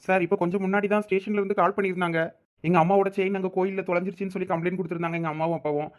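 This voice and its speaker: Casting: man as earnest, respectful cartoon son, high-pitched male, extremely quick talker, Thoothukudi Tamil accent. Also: flat delivery, natural voice. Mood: polite, earnest. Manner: respectful, explanatory. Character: polite, dutiful young son. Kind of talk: cartoon village drama dialogue.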